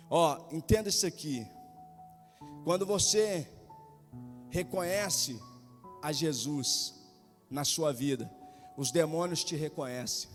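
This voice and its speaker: A male pastor preaching an impassioned sermon, firing rhetorical questions at the congregation. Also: a little high. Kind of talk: Pentecostal sermon. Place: church sanctuary. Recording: long church reverb, faint music.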